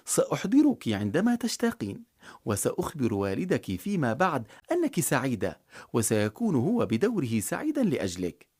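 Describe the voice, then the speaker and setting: A kindly storybook sparrow that soothes a frightened child, as a storyteller puts it on. The voice is husky and swoops widely in pitch, calm and reassuring throughout. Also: a little fast. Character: gentle kindly talking sparrow.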